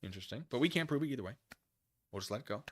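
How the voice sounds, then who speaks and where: A man hosting a live stream, reading documents aloud and commenting casually with conversational, animated asides. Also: medium pitch, very fast. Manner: conversational, animated asides, acts out imagined dialogue.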